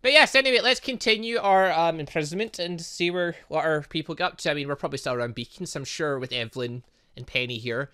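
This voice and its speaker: A chatty male gaming host with a bright, forceful tone, rambling through his thoughts and tossing in casual swears. He sounds like he's talking straight to his regular viewers. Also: a little high, fast, smooth. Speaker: let's play host. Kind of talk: casual gaming commentary and reading aloud.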